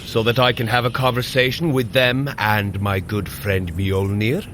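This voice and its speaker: An actor playing a blunt, hearty warrior god in an audio drama, gruff and dryly skeptical toward his brother. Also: on the low side, level tone, moderate pace, fairly bright tone, a little hiss or hum, close to an everyday voice.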